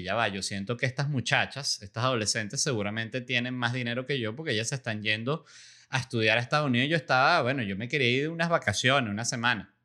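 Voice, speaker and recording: A Venezuelan man, a comedian and podcast host, telling a lively, salty anecdote in casual chat. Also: mid-range voice. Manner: lively anecdote-telling, salty language, acts out quoted voices.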